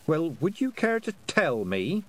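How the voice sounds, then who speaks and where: A stubborn young girl who wants to be a witch, as a male narrator voices her, earnest and sharp-tongued. The voice is lifted higher than his own and moves lively up and down. She presses and pleads in a quick, plain way. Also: full character voice. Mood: insistent. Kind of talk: audiobook character voice.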